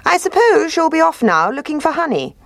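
A woman voicing a sly, polite male fox who coaxes and flatters in a genteel manner. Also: high voice, fairly quick, vocal fry, dry recording, pitched above the performer's own voice, heavily acted. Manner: genteel, coaxing, says "old boy".

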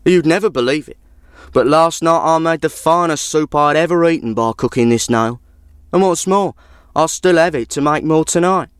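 A woman's voice: deep voice, normal speed, clear, resonant tone, no echo, clean studio sound, pitched above the performer's own voice, close to an everyday voice. A woman voicing a crafty hungry traveller. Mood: coaxing. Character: hungry wandering man, crafty and coaxing.

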